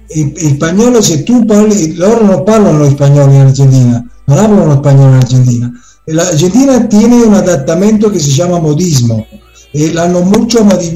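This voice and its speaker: A man's voice: high-pitched, mellow. A man in a casual interview, talking animatedly and mixing languages mid-sentence. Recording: echoey room, faint music.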